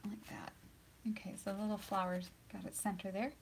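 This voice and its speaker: A woman's voice: medium pitch, level tone, a little fast, vocal fry, a little hiss or hum. Chatty woman painting instructor. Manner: chatty, laughs often, drops to soft near-whispers while working. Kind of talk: live painting demonstration. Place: painting studio surrounded by lights and cameras.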